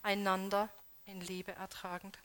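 A woman preaching a sermon, earnestly urging her congregation with questions, moving between loud appeals and soft, hushed emphasis. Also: mid-range voice, little pitch movement, a little slow, a little hiss or hum.

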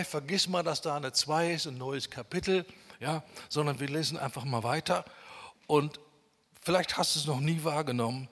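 A man preaching a sermon emphatically, asking rhetorical questions and swinging between loud and quiet. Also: a little high, breathy edge. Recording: long hall reverb.

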